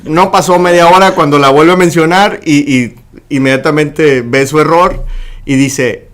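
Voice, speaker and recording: A man's voice: fairly high pitch, fairly even intonation, normal speed, a bit bright. A man hosting a casual interview, telling amused anecdotes with stumbling restarts. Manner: amused storyteller, hesitant restarts. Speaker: interview host.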